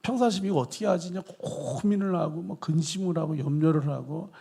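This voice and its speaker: A man's voice: a little high, fairly quick, creaky, dark tone, husky. A man pastor preaching a sermon in church, earnest and repeating quoted scripture for emphasis.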